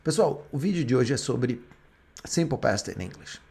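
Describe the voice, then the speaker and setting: A man's voice: mid-range voice, expressive, moderate pace, creaky, a little mellow, breathy edge. A Brazilian man, a native Portuguese speaker, explaining English grammar step by step as a teacher. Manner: explains step by step, with frequent restarts.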